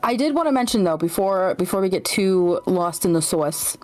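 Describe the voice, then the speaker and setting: A woman's voice: lowish voice, lively intonation, normal speed, darkish tone. A woman chatting casually as a talk show guest, informal and agreeable. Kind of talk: casual fan chat. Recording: music behind the voice. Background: music.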